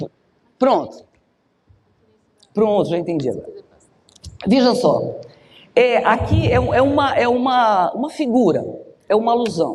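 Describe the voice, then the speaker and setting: An extremely high-pitched male voice, animated in tone with lively intonation, at a fairly slow pace with long, frequent pauses and audible room echo. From Brazil, Santos (São Paulo state). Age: 60s. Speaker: astrology lecturer. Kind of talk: lecture.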